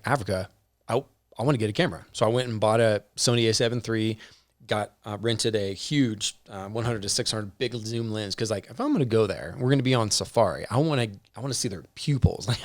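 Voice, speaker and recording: Male guest, slightly low voice, dry and close, sharing stories with feeling and stumbles. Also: dry recording. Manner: animated, emotional storyteller with many restarts. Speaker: podcast guest. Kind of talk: casual storytelling conversation. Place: indoor room with whiskey and pipes.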